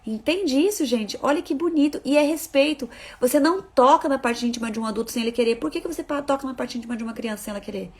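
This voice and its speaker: A woman with a somewhat high voice gives a live talk as a parenting educator. She is emphatic, driving her points home by repeating phrases and calling out to her audience, and now and then she reads viewer comments aloud. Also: quick pace, few pauses. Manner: emphatic, repeats key phrases, addresses listeners as "gente".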